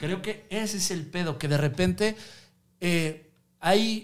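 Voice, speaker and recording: A man with a Mexican accent, high-pitched and with lively intonation, over a quiet background. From Mexico. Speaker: comedian. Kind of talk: casual chat. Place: studio. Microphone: studio mic.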